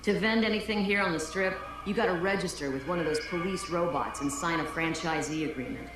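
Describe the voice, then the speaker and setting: In game audio recorded in a roomy space with music, a voice actor plays a friendly independent street vendor. The mid-range voice sounds natural and moves a little fast over some background noise, delivering warm sales patter.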